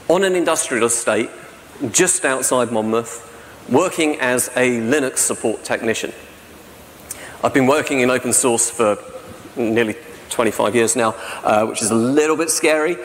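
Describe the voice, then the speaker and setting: A man in his forties from South-East England, giving a conference talk in a chatty, self-deprecating way, often tagging on "right?". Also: medium pitch. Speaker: conference speaker. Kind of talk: presentation talk. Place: large dark hall on a stage with projection screen. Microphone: stand mic at lectern. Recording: reverberant hall, faint noise.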